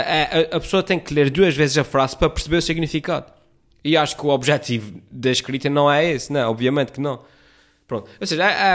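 A man with a European Portuguese accent, ranting to his viewers in a casual, rambling and sarcastic way, often restarting his sentences. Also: mid-range voice. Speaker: vlogger. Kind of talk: casual talk to camera.

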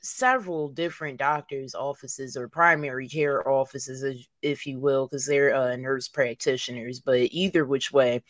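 A woman's voice: very deep voice, fairly even intonation, normal speed, hardly any pauses, no echo. A woman talking casually and informally as a co-host on a panel show.

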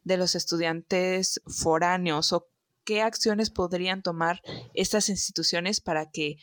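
Podcast host, woman, Mexican accent, low-ish voice, dry sound, loose and chatty. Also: steady tone, unhurried, a bit bright, no room sound. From Veracruz, Mexico. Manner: chatty, many fillers. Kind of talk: casual chat.

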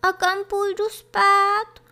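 Lady doing a scared little billy goat kid, whiny and high, storybook voice. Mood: fearful. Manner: plaintive, complaining. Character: timid young male goat kid, fearful and whiny. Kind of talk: storybook reading.

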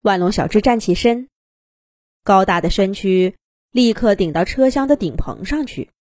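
A woman narrating a scripted fairy tale for young children in an animated, expressive storytelling manner. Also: mid-range voice, normal speed, no room sound, studio quality.

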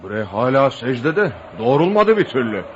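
An actor playing a rough caravan worker who exclaims in awe. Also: male voice, mid-range voice, big pitch swings, normal speed, lightly acted. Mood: exclamatory. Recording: dull audio with faint noise.

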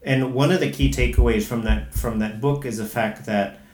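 A man from Indonesia talking as a podcast guest in a casual conversation, halting with many fillers and restarts and dropping in Indonesian words. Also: medium pitch, fairly even intonation, a little mellow, roomy sound.

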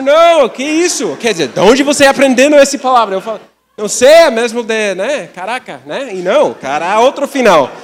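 An American pastor preaches in halting, learner's Portuguese and in English, with jokey asides. His voice sits a little high for a man. The sound carries the long reverb of a church hall. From United States. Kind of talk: sermon with live interpreter.

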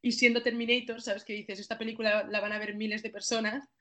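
A young woman from Catalonia, an actress answering interview questions with lively storytelling that acts out her own thoughts. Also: a little high, quick pace. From Catalonia, Spain. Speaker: actress guest.

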